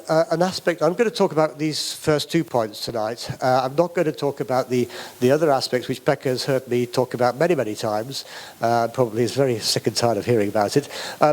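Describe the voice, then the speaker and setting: A middle-aged British man from the UK giving a public talk as an academic speaker, with many fillers and restarts. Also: mid-range voice. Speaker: academic speaker on wood construction.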